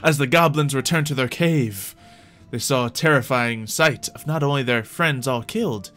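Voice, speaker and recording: A man hosts a roleplay game stream as game master, chatting casually with viewers and improvising the adventure's narration on the spot. His voice is medium-pitched and a bit bright, he talks at a normal speed, and faint music plays in the background.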